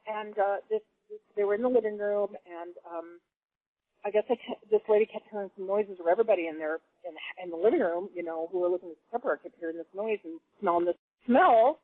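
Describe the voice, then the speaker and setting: A woman guest on a radio talk show telling stories in an animated, laughing way. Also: mid-range voice, brisk, no echo. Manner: animated storyteller, laughs often. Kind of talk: casual radio chat. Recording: dry phone-line call audio.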